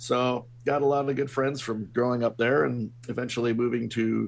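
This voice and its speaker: This is a man with a Canadian Prairies accent. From Canada (Winnipeg, Manitoba). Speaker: party host and bartender. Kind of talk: casual chat.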